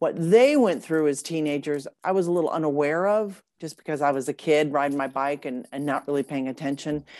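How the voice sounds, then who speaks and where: In a quiet background, a woman talks with an American accent. Her pitch is very deep and low, and her pace is moderate. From Michigan, US Midwest. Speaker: advertising and PR producer. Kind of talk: interview.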